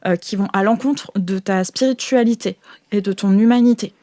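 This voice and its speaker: A woman's voice: medium pitch, moderate pace, dark tone. A woman narrating an improvised tabletop role-play as game master, descriptive and searching for words as she goes.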